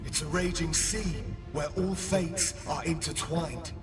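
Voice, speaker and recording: An actor playing a grave, desperate warrior double in a video game, solemn, intense and commanding. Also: male voice, a little high, steady tone, takes it slowly, music in the background. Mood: grave, demanding. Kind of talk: video game character acting. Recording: distant voice in long reverb.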